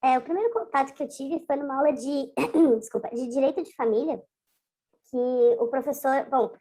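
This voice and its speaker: A woman's voice: high voice, moderate pace, warm tone. A woman guest in an interview, her voice altered by a voice changer, telling her story in a hesitant, conversational way with frequent restarts. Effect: voice changer disguising the voice. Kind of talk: casual recounting in a video interview.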